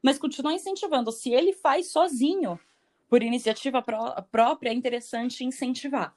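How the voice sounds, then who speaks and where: A woman with a Brazilian Portuguese accent, co-hosting a podcast and explaining child behavior in a measured, advisory way. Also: high voice, a little mellow. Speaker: podcast co-host. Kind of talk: casual chat, calm explaining.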